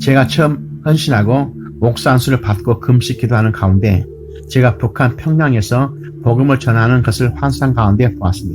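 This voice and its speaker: A man talks at a moderate pace and medium pitch, his loudness very even despite very wide pitch swings. Music plays in the background. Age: 70s. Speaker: pastor. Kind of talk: sermon. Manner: formal.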